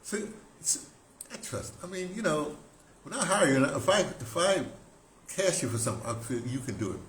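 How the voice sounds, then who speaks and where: An older American man telling stories casually as a talk host, in an excitable, rambling way with broken, repeated phrases. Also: on the high side, moderate pace. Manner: excitable, animated storyteller with broken, repetitive phrasing. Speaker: radio drama producer and talk host. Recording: roomy echo, clear background noise.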